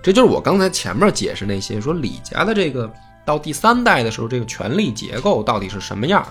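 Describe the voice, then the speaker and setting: A man's voice: medium pitch, fast talker, slightly rough. Guy chatting thru a history story, voice going up and down a lot, bit of music under it. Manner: lively, acts out quotes in plain voice. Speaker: podcast host telling history. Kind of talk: casual storytelling chat.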